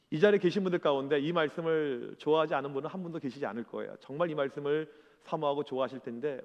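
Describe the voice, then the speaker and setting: A man, a pastor, giving a relaxed, conversational Sunday sermon with filler pauses. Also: on the high side, in a large hall. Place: church sanctuary.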